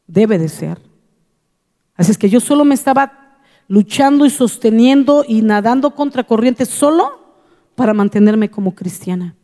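A woman pastor shares her testimony from the pulpit, telling it earnestly and repeating key phrases for weight. Her voice is mellow and dark in tone. The sound carries a long reverb, as in a large hall. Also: on the high side, lively intonation, normal speed. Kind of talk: testimony in a sermon.

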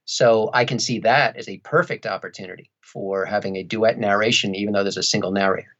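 A man with a fairly low voice talks as a podcast guest in a thoughtful interview. His delivery is measured and careful, with formal wording. The recording is slightly dull. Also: steady tone, a bit bright. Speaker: audiobook narrator, podcast guest.

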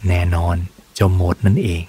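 A man narrating a bedtime story gently in a soft ASMR style. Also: normal speed.

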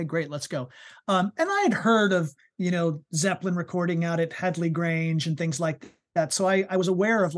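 A man with a high voice, a musician telling stories in a casual interview, animated and full of fillers and restarts. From United States. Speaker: musician guest.

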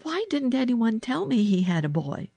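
Storybook role: earnest ten-year-old girl, direct and eager, pitched up high, voiced by a woman. Animated delivery. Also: moderate pace, gravelly, no echo, full character voice. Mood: curious, direct. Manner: eager, direct, sometimes anxious.

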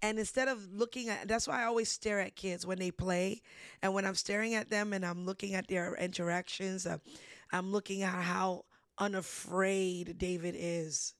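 A woman hosting a casual faith discussion, telling stories with lively animation and frequent laughs. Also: mid-range voice, moderate pace, clean tone, no room sound, clean studio sound. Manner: animated storytelling, laughs often. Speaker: ministry host.

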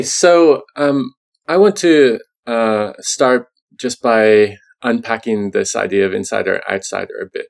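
Casting: gravelly low male host, unhurried and gentle with his questions. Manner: measured, fillers, gentle questioning. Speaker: interview host. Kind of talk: academic conversation.

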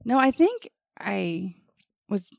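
Casual giggly female podcast co-host, mid-pitched, dry close recording. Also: big pitch swings, vocal fry, no room sound. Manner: casual, giggly, quick asides.

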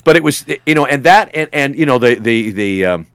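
A man's voice: mid-range voice, lively intonation, a little fast, fairly bright tone, clear, resonant tone, no echo, studio quality. A man, a voice actor guest on a podcast, telling rambling anecdotes with lots of restarts and fillers. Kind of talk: casual podcast interview.

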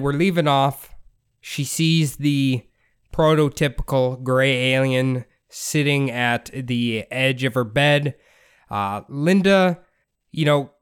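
A man's voice: medium pitch, clean tone. A man hosting a podcast, telling a story in a laid-back, casual way, swearing and laughing often. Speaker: podcast host.

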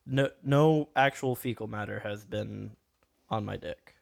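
A man's voice: fairly low pitch, measured pace, gravelly. A young man guest on a podcast, telling a story hesitantly with many fillers. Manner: hesitant, many ums and uhs. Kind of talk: casual podcast banter.

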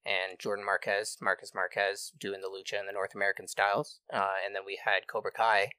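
A young man talks easily about his background, his voice sitting low and loud, as he is used to yelling. The sound is close and dry, with no room around it, in a small home studio. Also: flat delivery, brisk, clear, resonant tone, no echo. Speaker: guest wrestler. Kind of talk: casual interview chat.

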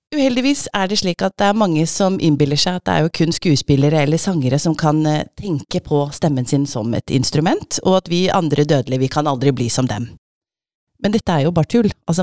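Lower-voiced woman guiding voice exercises. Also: a little mellow, no room sound, clean studio sound. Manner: guiding, explanatory, laughs easily. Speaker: host leading voice exercises. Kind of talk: instructive podcast conversation.

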